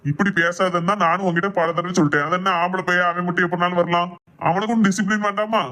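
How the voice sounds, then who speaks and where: A woman with a Kanyakumari Tamil accent voicing a calm, indulgent father of about fifty in a comedy cartoon. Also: on the low side, pitched below the performer's own voice, lightly acted. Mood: dismissive. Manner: dismissive, calm, quick. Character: laid-back fifty-year-old father, calm and indulgent.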